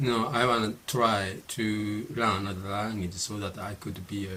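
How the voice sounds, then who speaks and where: A man speaks at a moderate pace with a fairly low pitch. His intonation stays fairly even. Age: 50s. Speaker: YouTuber learning English. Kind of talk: casual vlog monologue. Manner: halting, many fillers and restarts.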